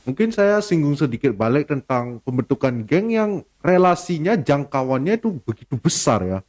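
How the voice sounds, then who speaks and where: A man's voice: on the high side, very animated, moderate pace, a little mellow. Polite young male interviewer. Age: young adult. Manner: polite, formal, encouraging. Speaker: host. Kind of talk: interview questions.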